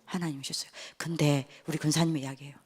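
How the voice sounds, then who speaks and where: A woman evangelist preaching a sermon, telling a story and acting out the dialogue, often dropping to a hushed whisper for quoted lines. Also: low-pitched, fairly even intonation, fast, breathy edge. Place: church youth retreat hall.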